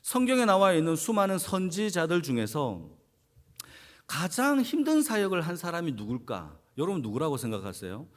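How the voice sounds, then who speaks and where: Speaking at a moderate pace with a fairly high voice whose pitch swoops wildly, a man preaches a Sunday sermon as senior pastor. He asks the congregation questions, answers them on his own, and repeats important phrases, all within a church sanctuary.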